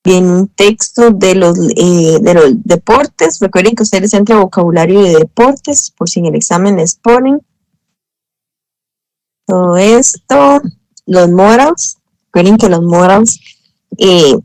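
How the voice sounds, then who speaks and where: A woman's voice: mid-range voice, darkish tone, dry recording, rough recording. A woman, an English teacher patiently explaining grammar in an online exam review. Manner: patient, explanatory, spells out letters slowly.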